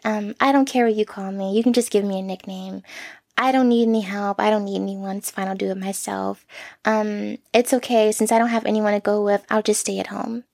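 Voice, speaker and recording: Soft-spoken woman with a gravelly fry. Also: medium pitch, dry recording, studio quality. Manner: soft-spoken, earnest and self-reflective. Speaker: podcast host. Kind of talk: reflective solo podcast monologue.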